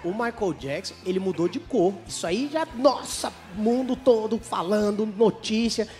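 A Brazilian stand-up comedian in his thirties, with an Espírito Santo accent, tells stories on stage and acts out both sides of the dialogues. His high voice has lively intonation and a darkish tone at normal speed, with faint music behind.

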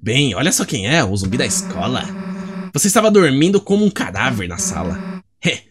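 A man voicing a rough, rowdy teenage girl bully from a video game, blunt and mocking. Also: mid-range voice, sing-song, fairly quick, background noise, lightly acted. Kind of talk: video game dialogue read aloud.

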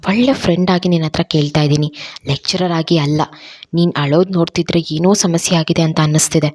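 A woman voicing a calm, caring young male lecturer who speaks gently and reassuringly. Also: low-pitched, a little fast. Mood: concerned.

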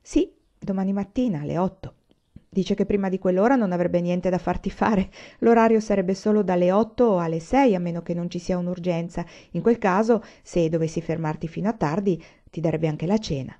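A woman voicing a quiet, kindly frontier mother in a read-aloud story. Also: lowish voice, a little fast, highs cut off, lightly acted. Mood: gentle.

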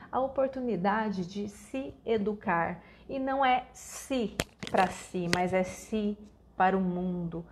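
A woman delivers a devotional talk at an unhurried pace. She is reflective and measured, and often checks in with her listeners through soft tag questions. Faint background noise sits under the recording. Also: medium pitch. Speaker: spiritist lecturer. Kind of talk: devotional lecture.

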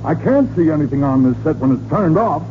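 A man's voice: fairly high pitch, lively intonation, fairly quick, lightly acted. A man playing an exasperated radio dad, scratchy narrow sound. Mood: strained patience. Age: middle-aged. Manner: long-suffering, sarcastic. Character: exasperated, grumbling father of a teenage son. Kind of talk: 1940s radio comedy acting.

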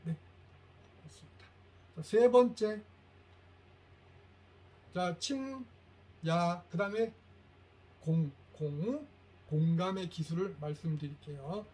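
Animated higher-voiced male lecturer. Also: takes it slowly, long pauses. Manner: animated storytelling, acts out quoted lines. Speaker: lecturer for parents.

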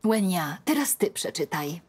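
A middle-aged woman in a dubbed film, reading a religious text aloud at a home table in a slow, earnest way. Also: lowish voice, sing-song, darkish tone, slightly rough, full character voice. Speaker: older woman leading a scripture reading.

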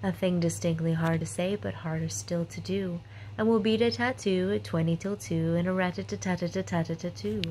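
A young adult woman reciting tongue-twister vocal warm-ups in a rhythmic, playful way with deliberate enunciation, recorded on a phone at arm's length. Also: lowish voice, fairly even intonation, a little hiss or hum, low-quality recording. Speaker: voice performer recording a sample reel.

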